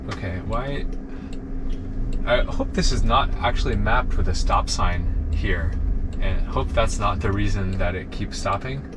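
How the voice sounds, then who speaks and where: A man at a fairly slow pace, long, frequent pauses, and noticeable background noise behind him. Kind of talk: casual ride-along commentary. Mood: mildly amused, puzzled. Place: car. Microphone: camera far.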